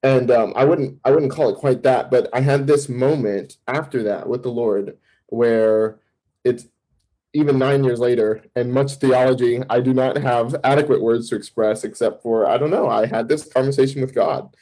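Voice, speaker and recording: Husky-voiced man telling his testimony. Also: mid-range voice, poor audio. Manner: animated storytelling, acting out his own past thoughts; fast bursts with restarts and fillers. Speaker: campus minister, podcast guest. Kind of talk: personal testimony in an interview.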